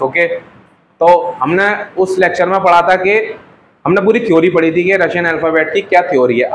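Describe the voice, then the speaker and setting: A man's voice: on the high side, a bit bright, a little hiss or hum, low-quality recording. A young man teaching Russian to a class, patient and joking, often calling his students "beta" as he drills the letters.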